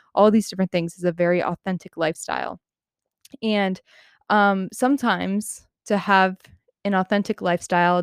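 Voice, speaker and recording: A woman with a normal speaking voice, ordinary pitch variation and a fairly quick pace against a quiet background. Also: dry, close sound with no echo. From New York. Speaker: podcast host, entrepreneur. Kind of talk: casual solo podcast monologue. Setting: at home.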